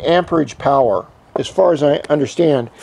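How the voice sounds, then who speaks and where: A man with ordinary pitch variation, speaking at a moderate pace. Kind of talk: casual tutorial commentary. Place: garden. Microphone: phone near.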